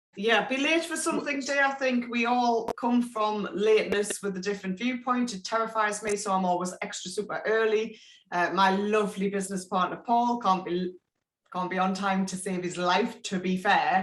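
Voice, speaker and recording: At a moderate pace, the woman talks with an animated tone. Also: medium pitch for a woman, ordinary pitch variation. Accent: Geordie. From northern England, Newcastle area. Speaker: business club co-founder. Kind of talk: casual chat.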